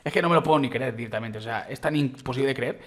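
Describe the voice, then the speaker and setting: A man with a Spain Spanish accent giving excitable, rambling let's-play commentary while trying out a game, full of exclamations. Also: medium pitch, quick pace. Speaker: gaming youtuber.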